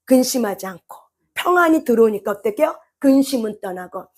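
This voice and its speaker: A woman preacher giving an impassioned sermon. She keeps asking the congregation questions, and her voice climbs into shouted cries. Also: on the high side, expressive, brisk. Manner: impassioned, rises to shouted cries when voicing prayer; asks the congregation rhetorical questions.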